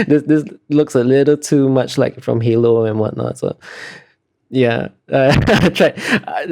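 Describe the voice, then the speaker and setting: A man's voice: mid-range voice, mellow. A man being interviewed as an artist, talking casually and explaining in a hesitant, self-correcting way.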